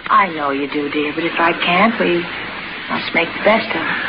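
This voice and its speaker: On a dull, heavily noisy old radio recording, a bedridden wife. She is gentle and plaintive, a long-suffering, wistful woman in a 1940s radio play. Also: sits low, normal speed. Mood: wistful, pleading. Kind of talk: 1940s radio drama acting.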